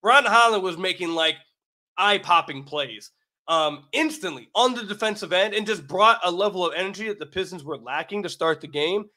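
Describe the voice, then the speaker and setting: American guy doing solo sports podcast, sharp forceful voice, kinda high, sounds sick and losing it a bit, emphatic. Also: expressive, moderate pace. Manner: emphatic, repeats phrases for emphasis. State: sick, losing his voice, slightly raggedy. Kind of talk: solo basketball commentary with sponsor read.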